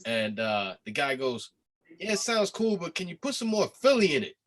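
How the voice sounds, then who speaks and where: A man's voice: a little high, big pitch swings, moderate pace, a bit bright. A man in his forties, a guest designer, telling a funny story and laughing along over a video call from home. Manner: amused, laughs while telling stories. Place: home room. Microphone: laptop mic on video call.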